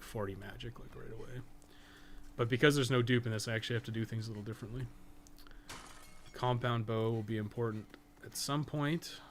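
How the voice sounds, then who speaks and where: A man's voice: medium pitch, fairly bright tone. A man giving casual live game-stream commentary, thinking aloud in a rambling, blunt way and swearing freely. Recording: clear background noise.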